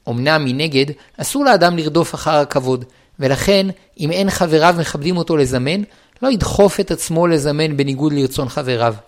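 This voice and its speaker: A man with a fairly high voice reads a religious law text aloud in an even, measured recitation. He moves through each ruling steadily, pausing briefly to restart a stumbled word before carrying on. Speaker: reader of a Jewish law text. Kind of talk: formal read-aloud of a religious law book.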